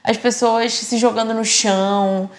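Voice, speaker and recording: A woman's voice: fairly high pitch, steady tone, unhurried. A Brazilian woman, a guest on a church podcast, speaking earnestly and reflectively about faith. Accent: Brazilian Portuguese. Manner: earnest, reflective, quoting herself. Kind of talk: casual church podcast chat.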